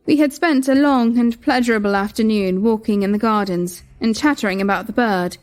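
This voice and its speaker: Young woman, higher voice, scripted storytelling, soft music underneath. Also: a little fast. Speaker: narrator voicing a queen. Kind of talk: first-person scripted narration. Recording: music bed behind.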